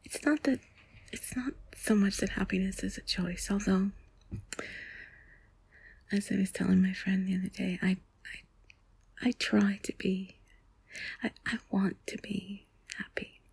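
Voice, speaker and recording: Breathy, husky woman whispering intimately. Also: medium pitch, steady tone, measured pace, pauses often, no echo. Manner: soft, intimate, rambling confiding talk. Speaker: intimate audio host. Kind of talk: whispered intimate ASMR monologue. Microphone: close mic.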